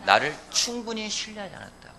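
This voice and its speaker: A man's voice: high-pitched, wildly swooping pitch, fast talker, sharp tone. A male pastor preaching a sermon, often asking the congregation questions and answering them himself. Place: church sanctuary.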